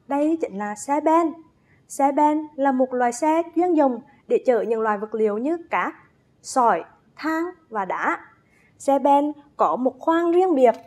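Slow, high-voiced woman teaching phonics. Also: darkish tone. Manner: slow, careful enunciation with drawn-out spelling drills; addresses young pupils directly, calls them to read along. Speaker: primary school teacher. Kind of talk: first-grade phonics lesson.

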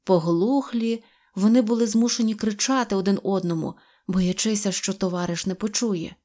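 A woman reading an audio fairy tale in an expressive storytelling manner. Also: medium pitch, moderate pace. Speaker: narrator.

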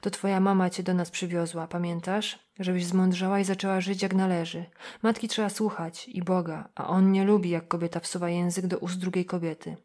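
Fanatyczny kapłan egzorcysta z audiobooka, mówiący podniośle i rozkazującym tonem, czytany przez kobietę. Każde zdanie brzmi jak kazanie. Głos jest poważny i pewny siebie. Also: female voice, fairly low pitch, flat delivery, a little fast, darkish tone, close to an everyday voice. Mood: preaching. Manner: solemn, declaiming. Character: fanatical male priest, commanding exorcist.

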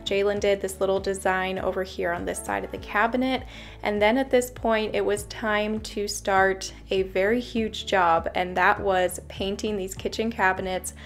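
A woman's voice: mid-range voice, fairly even intonation, normal speed, vocal fry. A young woman, a home renovation vlogger, narrating a voice-over in a cheerful, chatty way and explaining each step. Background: faint background music.

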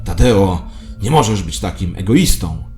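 Man reading as an urgent, conspiratorial woman, low-pitched. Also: expressive, unhurried, darkish tone. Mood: irritated. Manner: urgent, preachy, secretive. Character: agitated, conspiratorial woman, the narrator's partner.

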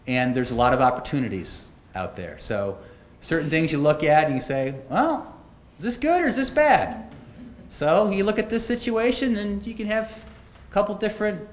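A middle-aged man giving a conference keynote at a podium, telling stories in a conversational way with wry asides. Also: a little high. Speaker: keynote speaker. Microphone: podium microphones. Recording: echoey auditorium, faint noise.

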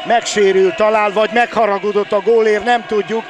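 An older man doing excited sports commentary, often shouting and repeating words. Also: sits high. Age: older, around 70. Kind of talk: excited Hungarian futsal commentary. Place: balcony of a large indoor sports hall. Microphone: headset. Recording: background noise of a sports hall.

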